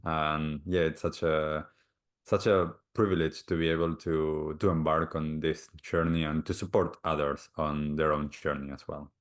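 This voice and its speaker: A man from Argentina with an Argentine Spanish accent, speaking slowly and gently as a guest healer on a video call, often repeating words as he searches for the next one. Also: rumbling low, flat delivery. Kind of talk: calm reflective interview answers.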